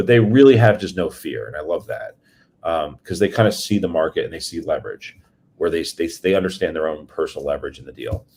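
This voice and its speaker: A man with a New Jersey accent talks at a very fast pace. His loudness swings widely. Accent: New Jersey American. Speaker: mergers and acquisitions lawyer. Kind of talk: podcast interview.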